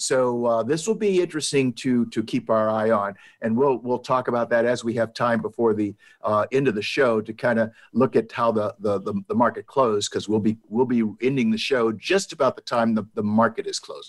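The pitch is medium, varying in an ordinary way. This man has an unremarkable speaking voice. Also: fairly quick pace. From South Los Angeles. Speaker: financial advisor and radio show host. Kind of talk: radio talk show.

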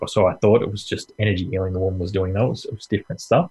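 With an Australian accent, a man speaks in a very deep, low pitch, somewhat breathy, with fairly even intonation over a quiet background. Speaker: hypnotherapist.

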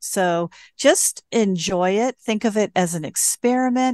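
In an American accent, a woman speaks at a medium pitch in an enthusiastic tone with ordinary pitch variation, against a quiet background. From Nevada. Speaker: gardening instructor. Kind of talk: radio interview.

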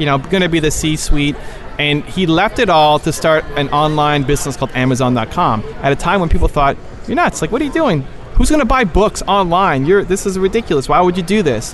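A man with a fairly high pitch talks at a fairly quick pace with lively intonation over noticeable background noise. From Canada, Toronto. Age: 30s. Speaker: entrepreneur and business speaker. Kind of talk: interview. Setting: conference venue.

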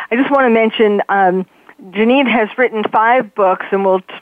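A woman speaks in an unremarkable speaking voice at a moderate pace. Her pitch variation is ordinary. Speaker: psychiatrist radio host. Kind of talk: radio interview.

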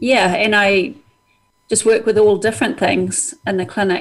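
A woman with a New Zealand accent, fairly high in pitch, at a fairly slow pace with ordinary pitch variation. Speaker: hypnotherapist and community organizer. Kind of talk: casual interview chat.

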